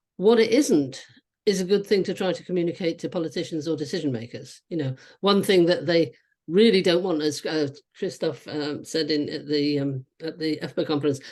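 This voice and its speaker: Against a quiet background, a woman speaks with a British accent at a moderate pace. Her fairly low voice has lively intonation. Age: 70s. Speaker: psychologist. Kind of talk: webinar Q&A.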